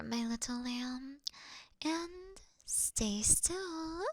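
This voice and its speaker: Slow, breathy vampire mistress, played by a woman. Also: fairly high pitch, no room sound, full character voice. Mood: menacing, dominant. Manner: breathy, often whispered, refined and unhurried. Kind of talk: intimate roleplay audio drama, ASMR-like.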